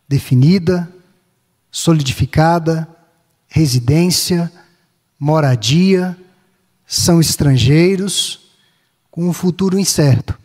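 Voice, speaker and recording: A Brazilian pastor with a Minas Gerais accent preaches in a high, ringing, slightly mellow tenor. His delivery is measured, setting out lists of phrases in a slow cadence and raising his voice on the key words. A large church hall gives the sound a long reverb tail.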